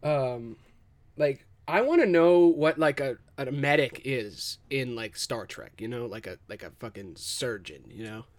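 A man's voice: medium pitch, lively intonation, unhurried. A man in casual chat, brainstorming characters with a co-host, loose and profane with many fillers.

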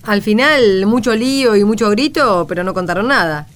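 An actress as a teasing Argentine peasant wife. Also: female voice, medium pitch, normal speed, lightly acted. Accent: Argentine Spanish. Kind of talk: radio play acting.

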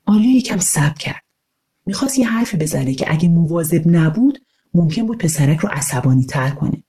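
A woman narrating a children's audiobook in a calm, even storytelling manner over guitar music. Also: low-pitched.

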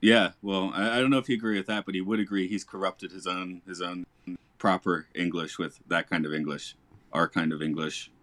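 Low-voiced guy chatting on a podcast, lots of laughs and restarts, dry close mic. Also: fairly even intonation, a little fast, a bit bright, dry recording. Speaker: podcast host, English teacher. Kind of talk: casual podcast chat. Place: lives in Japan.

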